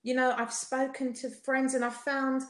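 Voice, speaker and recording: High-voiced South London woman, echoey room. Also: little pitch movement, moderate pace. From South London, England. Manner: emphatic, rhetorical repetition, often seeks agreement. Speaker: podcast guest, singer. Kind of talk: personal testimony in a podcast conversation. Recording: roomy, echoey sound.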